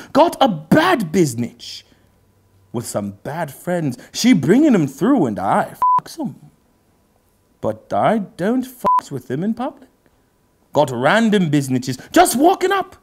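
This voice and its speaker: A pompous lord acted out by a man delivers a comic dramatic reading in grand literary style. His pitch leaps and dips dramatically, and he lingers slowly over his phrases with theatrical pauses. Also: huge pitch swings, slightly rough, full character voice. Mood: theatrical, emphatic. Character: pompous aristocratic gentleman host, reciting rap lyrics theatrically. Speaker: comedy show host. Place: book-lined indoor study set, seated.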